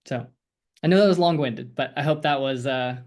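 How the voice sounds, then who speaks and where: A man's voice: mid-range voice, normal speed, a little mellow, muffled recording. A man coaching a group on a video call, talking casually in a rambling, encouraging way with lots of fillers. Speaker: sales coach.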